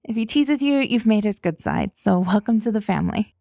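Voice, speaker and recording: A woman voicing an excited, bubbly young woman who fusses over her brother's partner. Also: mid-range voice, a little fast, gravelly, no echo, studio quality, voice pushed up. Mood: reassuring. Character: bubbly young woman, fussy older sister. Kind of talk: audiobook reading of fan fiction.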